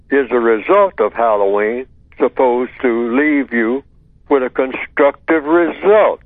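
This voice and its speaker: An older man on a call-in radio show, explaining his ideas in a measured way and repeating key words for emphasis. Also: medium pitch, no echo. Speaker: radio show guest answering callers. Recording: tinny phone line, dry.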